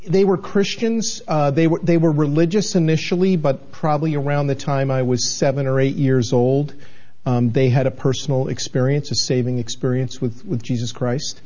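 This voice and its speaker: A man's voice: medium pitch, steady tone, normal speed, darkish tone, muffled recording. A man in his sixties from New England, a television manager answering interview questions in an earnest, rambling way full of restarts. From New England, United States. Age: 60s. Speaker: television station manager, guest. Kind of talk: candid interview conversation.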